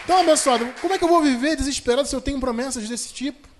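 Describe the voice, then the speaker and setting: A man's voice: very high voice, very fast, background noise. A Brazilian man preaching a sermon on a livestream, chatty and conversational, stretching out scripture verses with emphasis. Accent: Brazilian Portuguese. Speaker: pastor. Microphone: livestream microphone.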